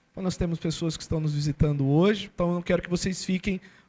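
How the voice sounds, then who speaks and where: A man with a Brazilian accent speaks at a high pitch in a dark, mellow tone, with ordinary pitch variation. The sound is dry and close, with no echo. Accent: non-Rio Brazilian accent, noticeable. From Brazil, outside Rio de Janeiro. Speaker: pastor. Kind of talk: sermon. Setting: church.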